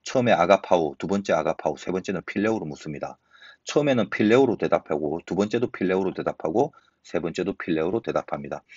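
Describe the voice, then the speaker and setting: A man's voice: low-pitched, darkish tone, breathy edge, no room sound, dull audio. A pastor in his fifties preaching an earnest sermon, asking the listeners rhetorical questions.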